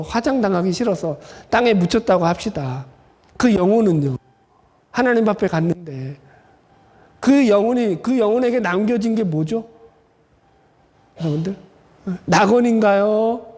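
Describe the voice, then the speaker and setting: A man's voice: high voice, dark tone, husky. A man pastor giving an expository sermon in a conversational way, often asking the congregation questions. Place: church sanctuary. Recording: long church hall reverb.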